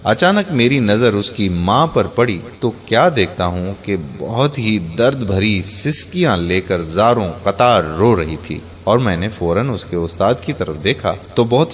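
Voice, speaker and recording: Low-voiced man narrating an earnest story. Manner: earnest, heartfelt storytelling that ends in pleading appeals. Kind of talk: first-person emotional story narration. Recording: long reverb on the voice.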